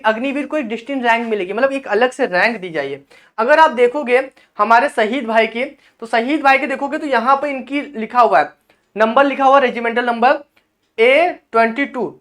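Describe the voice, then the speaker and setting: A man's voice: extremely high pitch, a bit bright. A man presenting an educational channel, giving an impassioned explainer on a document and addressing listeners as brother. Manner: slowly reads out English clauses.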